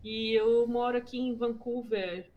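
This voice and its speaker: Paulista woman on a dull remote call. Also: on the high side. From São Paulo, Brazil. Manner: relaxed, laughs easily, halting restarts. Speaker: guest, insurance professional. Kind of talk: remote interview. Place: home in Canada, remote call.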